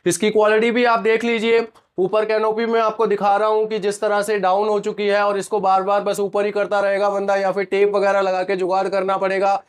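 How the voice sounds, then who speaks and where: High-voiced man with a sore throat. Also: completely flat delivery, a little fast, hardly any pauses, clear, resonant tone. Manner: chatty, talks viewers through a live test. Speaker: product reviewer, channel host. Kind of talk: casual product review vlog.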